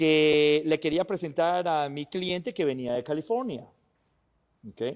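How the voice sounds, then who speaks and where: Speaking with an Ecuadorian accent, a man has a fairly high pitch and lively intonation. He goes at a fairly slow pace on a very clean recording with a silent background. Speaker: car dealer. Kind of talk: interview. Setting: car dealership on location.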